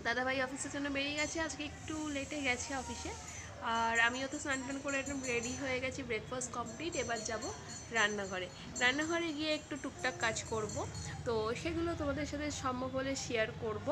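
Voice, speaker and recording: A woman's voice: sits high, fast talker, music in the background. A woman chatting casually to her viewers in a home vlog, talking to them like friends. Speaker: vlogger. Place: rooftop and home.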